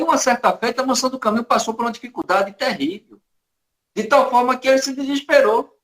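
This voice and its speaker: A man's voice: sits high, a bit bright. A man with a Brazilian accent giving a spiritist lecture, telling stories with dramatic emphasis. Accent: Brazilian Portuguese. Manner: storytelling, dramatic, varied emphasis.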